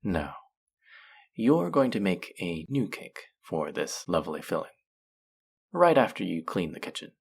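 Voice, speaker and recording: A man acts out a male faerie trickster for an intimate audio drama, with a low, gravelly voice that swings widely in pitch. He is smug and playfully stern, drawing out his words as he teases and scolds like someone firmly in charge. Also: heavily acted. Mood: mock stern. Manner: teasing, drawn-out, mock-scolding, sultry.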